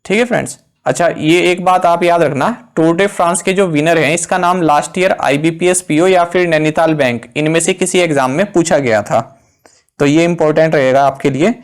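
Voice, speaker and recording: Indian man teaching a current-affairs quiz. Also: a little high. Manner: reads questions slowly, then explains in quick asides. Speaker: exam-prep quiz host.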